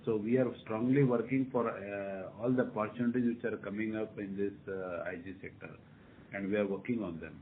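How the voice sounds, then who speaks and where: Indian male executive, low voice, reassuring and repetitive, on a noisy phone conference line. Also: fairly even intonation, fairly quick, phone-quality sound. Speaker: company executive answering analyst questions. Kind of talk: unscripted earnings call answers. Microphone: telephone conference line.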